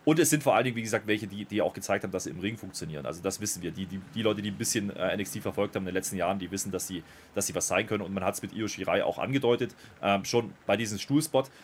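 A man reviewing a wrestling show in casual podcast chat, thoughtful, with many pauses and restarts. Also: lowish voice, a little hiss or hum.

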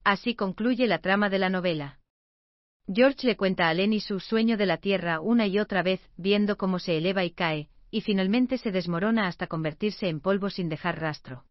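A woman reading a book summary as scripted narration, in an even, measured way. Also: mid-range voice, no echo, dull audio.

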